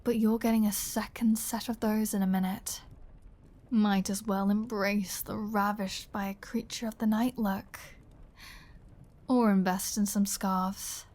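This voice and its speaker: A woman acts out a female vampire in an ASMR audio drama, speaking at a slow, savoring pace in a medium register. She is flirty and sardonic, with playful menace under the teasing. Her delivery is close and intimate, ready to sink toward a whisper. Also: medium pitch, fairly even intonation, darkish tone, natural voice. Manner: teasing, sardonic, drawling, drops into breathy whispers. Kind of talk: ASMR audio roleplay, intimate scripted acting.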